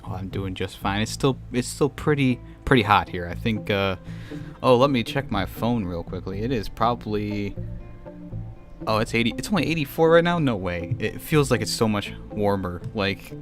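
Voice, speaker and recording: A man's voice: lowish voice, normal speed, music in the background. A man hosting a podcast in a casual, playful, joking way. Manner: jokey, playful. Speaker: podcast host. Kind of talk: casual chat.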